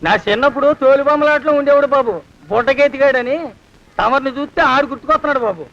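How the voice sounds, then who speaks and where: A man's voice: extremely high pitch, quick pace, creaky. An actor playing a cheeky male servant who teases his master with wisecracks in a film comedy. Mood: teasing. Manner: teasing, wisecracking. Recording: dull film soundtrack.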